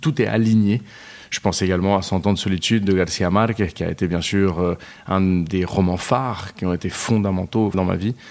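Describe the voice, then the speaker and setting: This man's very deep, low voice holds fairly even intonation as he talks at a moderate pace. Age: 30s. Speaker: novelist. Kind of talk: interview.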